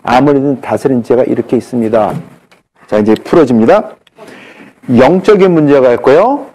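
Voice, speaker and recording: A man giving a live health seminar, telling a story and acting out both sides of a phone call. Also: normal speed. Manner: animated, shifts pitch when quoting others. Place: seminar hall.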